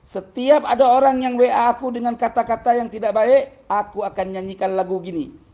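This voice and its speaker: A man argues with his viewers on a live stream, taunting and confrontational, now and then chuckling at them. His voice sits high for a man and has a gravelly, creaky edge. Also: steady tone, brisk, warm tone. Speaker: livestream debater answering viewers. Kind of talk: heated live-stream argument.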